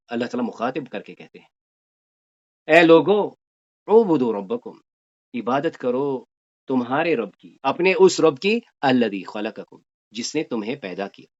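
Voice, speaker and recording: A man teaching a Quranic Arabic grammar lesson. He recites verses slowly and then explains them briskly. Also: medium pitch, dull audio.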